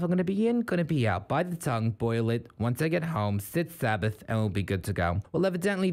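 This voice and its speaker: A man's voice: mid-range voice, pitched below the performer's own voice, natural voice. A man playing a grumbling Jewish homemaker who frets over errands, in a wry, kvetching comic anecdote.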